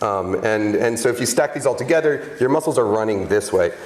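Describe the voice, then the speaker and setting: Talking at a fairly quick pace with an American accent, a man is heard through audible room echo and noticeable background noise. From New York City. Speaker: food writer and chef. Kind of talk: lecture with live demo. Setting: stage with audience. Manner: fast; many fillers and restarts.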